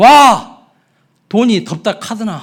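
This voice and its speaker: In a put-on character voice with a raspy edge, a man speaks very slowly in a raised, projected voice pitched high for a man, with ordinary pitch variation. The recording is very clean, with a silent background. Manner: blunt, gruff, harsh.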